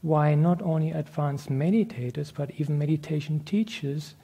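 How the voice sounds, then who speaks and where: Man, meditation teacher, slightly raised pitch, breathy husky tone, explaining earnestly. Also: moderate pace, warm tone. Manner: earnest and explanatory, laughs often. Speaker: meditation teacher answering questions. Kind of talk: lecture Q&A. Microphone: handheld microphone passed around the room.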